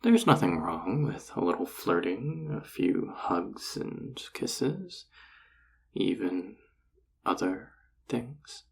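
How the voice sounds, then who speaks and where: A man playing a flirty, self-assured enchanter boss in an audio roleplay, teasing and coaxing the listener in a husky, gravelly voice. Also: low voice, very animated, slow pace, darkish tone, a little hiss or hum, heavily acted. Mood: casual, persuasive. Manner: teasing, coaxing, casually confident. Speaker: voice actor. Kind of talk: intimate scripted audio roleplay addressed to the listener.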